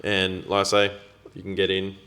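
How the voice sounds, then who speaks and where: An Australian man co-hosting a podcast, telling anecdotes in casual chat with a blokey, slangy, animated manner. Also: low-pitched, moderate pace. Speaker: podcast co-host.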